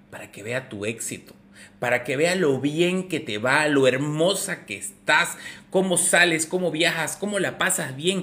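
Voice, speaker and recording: A man speaks with lively intonation and a bright, sharp tone. Vocal fry runs through his voice. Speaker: relationship coach. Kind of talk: advice monologue to camera. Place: home room.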